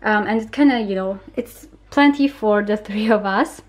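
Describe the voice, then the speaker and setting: A young adult vlogger talks casually in a chatty, informal vlog style, with small laughs between remarks. Her voice is mid-range and her pace moderate, captured on a handheld camera in a home kitchen.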